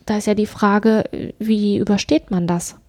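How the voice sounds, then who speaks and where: A woman's voice: medium pitch, fairly even intonation, unhurried, a little mellow, no room sound, clean studio sound. A middle-aged woman in a casual discussion, speaking emphatically, repeating phrases and asking rhetorical questions. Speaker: podcast co-host.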